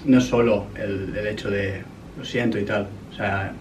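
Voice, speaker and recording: A YouTuber in his twenties with a Spanish accent makes a prank call from a desk in an indoor gaming room, his lowish voice steady at normal speed. He explains himself in a casual yet serious way, repeating phrases, picked up by a slightly distant mic with faint noise.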